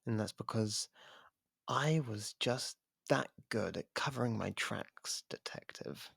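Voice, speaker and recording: Man acting as a gravelly, smug jailed killer. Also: lowish voice, slow pace, a bit bright, dry recording, studio quality, heavily acted. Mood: bored, boastful. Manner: drawling, sarcastic, teasing delivery. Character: imprisoned male serial killer, smug, taunting, sardonic, flirtatious. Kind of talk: ASMR roleplay audio drama.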